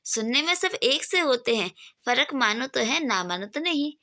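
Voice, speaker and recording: A woman reading the lines of a short-tempered, mocking village man who snaps and scolds, in her own slightly high voice. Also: sing-song, normal speed, sharp tone, exaggerated voice. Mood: snappish. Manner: snappish, scolding.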